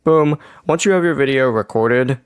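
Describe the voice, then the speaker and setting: A man's voice: medium pitch, normal speed, smooth. A man narrating a casual how-to tutorial in an informal, chatty, step-by-step way. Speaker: tutorial host.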